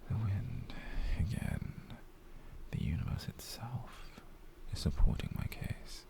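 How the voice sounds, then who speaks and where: A man's voice: deep voice, very animated, slow pace, gravelly, full character voice. Man acting a whispering, possessive British yandere boyfriend. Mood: teasing, possessive. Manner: coaxing, teasing, theatrical. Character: possessive, doting, menacingly sweet yandere boyfriend. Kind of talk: whispered ASMR roleplay.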